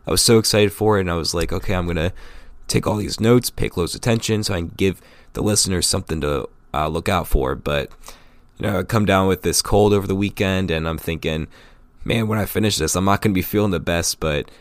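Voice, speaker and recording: Man, podcast host, very low voice, gravelly, raspy from a cold, rambling casual talk. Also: brisk, no echo. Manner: casual, rambling, filler-heavy fan opinions. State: getting over a cold, slightly raspy. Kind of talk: solo sports podcast talk.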